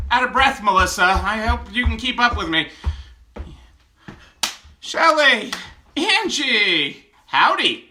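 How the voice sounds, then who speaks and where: A man's voice: very high-pitched, bright, forceful tone, a little hiss or hum. A man from upstate New York hosting a casual livestream, playfully greeting viewers by name and joking with them. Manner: playful, jokey, reads out viewer names. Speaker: livestream host.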